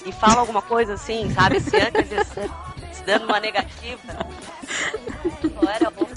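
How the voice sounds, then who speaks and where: A woman's voice: a little high, fairly quick, over music. A woman from Santa Catarina with a coastal Santa Catarina Brazilian accent, telling stories in casual chat and acting out the voices she quotes. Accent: coastal Santa Catarina Brazilian Portuguese. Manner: animated storyteller, acts out quoted voices.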